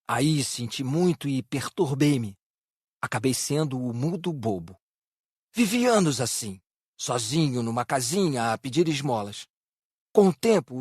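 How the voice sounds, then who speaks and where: A man playing a humble, resigned former soldier's spirit in a dramatised audiobook, husky and plainly confessional. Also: mid-range voice, no echo, studio quality.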